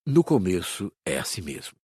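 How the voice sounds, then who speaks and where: A man's voice: low-pitched, very animated, normal speed, warm tone, breathy edge, no room sound, studio quality, exaggerated voice. A man playing a reassuring spirit mentor who consoles and instructs in an audiobook. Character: Raimundo, reassuring male mentor in the spirit world. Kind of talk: audiobook character reading.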